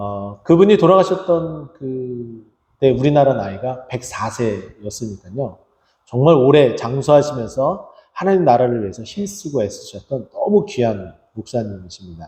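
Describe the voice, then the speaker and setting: A man's medium-pitched voice, dark and mellow in tone and somewhat breathy, with very wide pitch swings and big swings in loudness. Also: fairly slow pace. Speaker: pastor. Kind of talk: sermon. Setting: church. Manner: halting.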